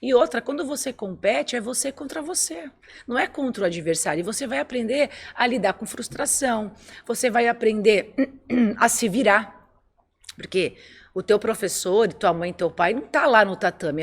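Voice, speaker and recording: A woman in casual conversation, telling a story about her son with lively quoted dialogue. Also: mid-range voice, breathy edge.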